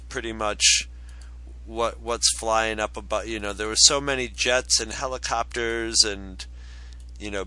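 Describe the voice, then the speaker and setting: Smooth, bright reminiscing man. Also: mid-range voice, dry recording. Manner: reminiscing, conversational, drawn-out. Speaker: podcast co-host. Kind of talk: casual chat.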